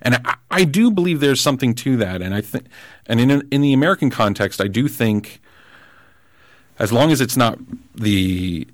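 A man, a podcast guest, talking through political ideas in casual conversation, thoughtful and halting, with many restarts. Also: mid-range voice, expressive, dry recording, clean studio sound.

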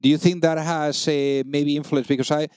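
A man with a fairly high voice hosts an interview podcast, keen and chatty, often repeating words as he restarts a thought. His voice sits close to the mic in a dry, dead room with no echo. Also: flat delivery, normal speed, darkish tone, clear, resonant tone. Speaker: podcast host. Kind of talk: conversational interview.

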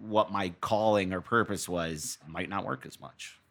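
Bright-voiced American man, low-pitched and chatty. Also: a little slow, gravelly. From Massachusetts, USA. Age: 30s. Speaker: interview guest, screenwriter. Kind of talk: casual conversational storytelling.

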